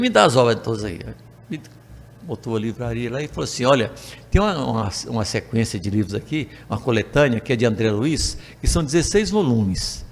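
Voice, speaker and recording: Animated older man telling stories in a hall. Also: medium pitch, gravelly. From Brazil. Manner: animated, acts out dialogue with voice changes. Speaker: spiritist lecturer. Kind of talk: storytelling talk to a spiritist group. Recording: long reverb of a hall.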